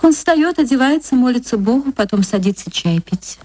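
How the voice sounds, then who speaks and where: A woman narrating a literary radio play in a measured, expressive way. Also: fairly high pitch, dry recording.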